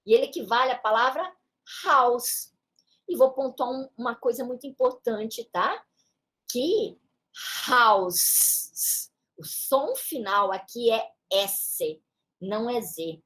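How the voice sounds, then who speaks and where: This English teacher, a woman with a São Paulo Brazilian Portuguese accent, explains a classroom-style lesson patiently and checks in with short tag questions. Her voice is fairly high and a bit bright, with lively intonation and an unhurried pace.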